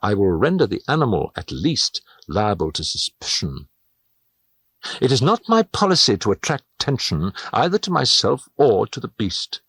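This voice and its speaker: A man's voice: fairly low pitch, sing-song, normal speed, a bit bright, breathy edge, dry recording, clean studio sound, exaggerated voice. A man voicing a poor, anxious male sailor who talks himself into a risky plan, reasoning aloud. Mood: scheming. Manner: self-persuading, reasoning aloud. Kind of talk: audiobook reading.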